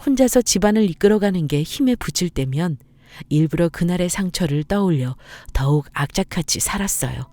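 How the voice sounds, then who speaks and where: A woman's voice: on the low side, animated, a little fast, mellow, no room sound. A middle-aged woman telling her own story as scripted narration, earnest and determined.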